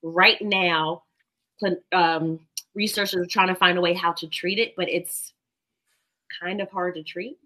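A woman in her thirties explains medical facts with calm confidence from a room at home. Her voice is bright and a touch low, picked up by a laptop mic. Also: a little slow. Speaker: doctor and guest. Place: home room, video call.

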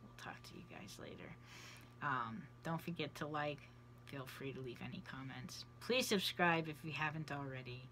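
A man's voice: medium pitch, normal speed, pushed and bright, a little hiss or hum. A trans man in his thirties whose voice is changing on testosterone, chatting casually to camera in a small bedroom and often trailing off into a near whisper. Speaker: vlogger. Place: small cluttered bedroom indoors. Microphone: camera close at face level.

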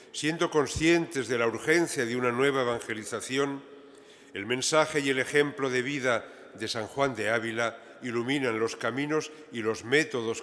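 Spanish preacher in cathedral echo. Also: male voice, medium pitch. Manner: steady, formal preaching. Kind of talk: homily. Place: large church. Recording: long church reverb.

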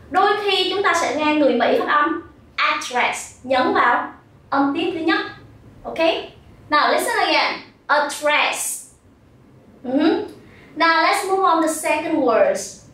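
A woman with a Vietnamese accent teaching English vocabulary to primary pupils, modelling each word slowly and clearly for repetition. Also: sits high, fairly bright tone. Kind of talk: recorded vocabulary lesson. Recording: very echoey room, voice from a distance.

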